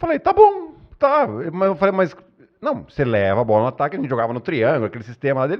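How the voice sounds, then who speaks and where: Speaking at a very fast pace, a man with a high pitch makes very wide pitch swings against a quiet background. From Piracicaba, São Paulo state, Brazil; São Paulo state, Brazil. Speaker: podcast host, former basketball player; podcast host. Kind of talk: casual chat. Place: studio.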